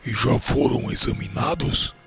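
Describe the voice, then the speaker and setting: A man with a Brazilian accent playing a hostile, suspicious priest of a dark spirit city in a radio drama, gravelly and harsh, questioning curtly and giving orders. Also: medium pitch, measured pace, soft background music. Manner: curt, commanding interrogation.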